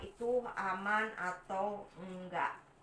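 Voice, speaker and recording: Speaking with fairly even intonation, a woman is heard over noticeable background noise and audible room echo. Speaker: vlogger and herbal drink seller. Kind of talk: casual vlog talk while packing orders.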